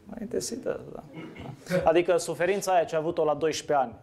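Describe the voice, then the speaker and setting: A man's voice: a little high, darkish tone. A man preaching a sermon in a conversational way, asking his listeners questions and answering them himself. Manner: asks the audience questions, conversational. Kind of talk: interactive sermon.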